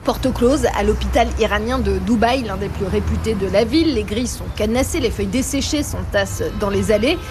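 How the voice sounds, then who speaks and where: A woman narrating a scripted radio news report from the field, calm and even. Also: medium pitch, fairly quick, hardly any pauses, over music.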